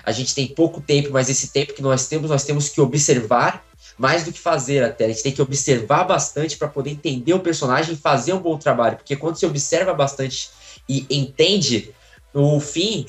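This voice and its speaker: A Brazilian man in his twenties talking casually as an interview guest on a video call, telling things with frequent tag questions. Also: a little high. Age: 20s. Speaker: interview guest, aspiring voice actor. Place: small room at home, on a video call. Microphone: phone or device mic at some distance, video call.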